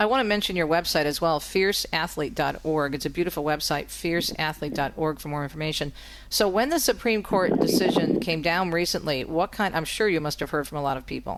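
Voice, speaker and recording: Over noticeable background noise, a woman with a very deep, low pitch and ordinary pitch variation talks at a fairly quick pace with hardly any pauses. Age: 60s. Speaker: radio host. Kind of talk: radio interview.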